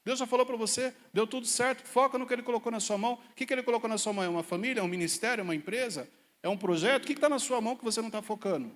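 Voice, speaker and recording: A man preaching a lively sermon as pastor to a church congregation, asking his listeners pointed rhetorical questions. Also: extremely high pitch, rapid-fire. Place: church service hall. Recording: long hall reverb.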